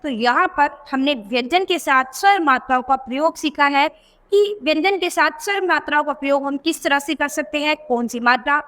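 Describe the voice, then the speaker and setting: A woman teacher patiently explaining vowel signs to young children, often asking questions and drawing out sounds slowly. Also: high voice, fairly bright tone, in a large hall. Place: teaching video voice-over.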